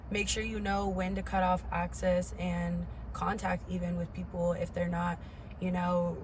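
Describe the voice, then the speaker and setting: Female vlogger, twenties, lower register, candid and emphatic personal talk with little pitch movement. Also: noisy background. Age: 20s.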